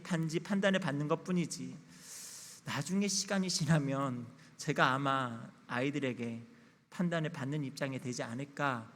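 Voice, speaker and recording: A man's voice: on the high side, a bit bright. A pastor in his thirties giving a candid, confessional sermon in a church sanctuary. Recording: long church reverb.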